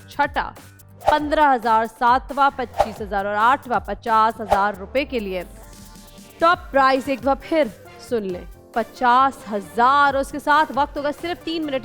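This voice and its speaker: A woman hosting a television quiz show in a studio, explaining the rules in a clear, measured, formal way and asking contestants questions. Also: high-pitched, fairly bright tone. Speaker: game show host.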